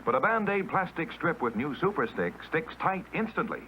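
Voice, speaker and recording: A man announcing a 1950s TV commercial in an emphatic, punchy sales-pitch manner. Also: big pitch swings, normal speed, sharp tone, a little hiss or hum, rough recording.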